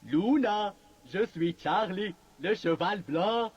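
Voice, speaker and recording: A man's voice: high-pitched, slow pace, slightly rough, dull audio, heavily acted. A man voicing a male white horse in a children's cartoon. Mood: announcing.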